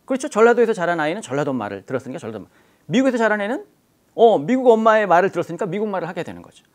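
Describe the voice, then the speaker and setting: A man teaching an exam-prep language lecture, explaining step by step and posing rhetorical questions to students. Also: high voice.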